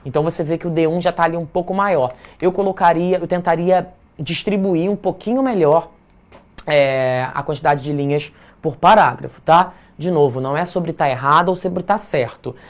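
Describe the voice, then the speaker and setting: A man's voice: fairly high pitch, moderate pace. A Brazilian man teaching a live online writing class, in a chatty, playful way that keeps checking in with the audience. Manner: chatty, playful, tags remarks with "tá?".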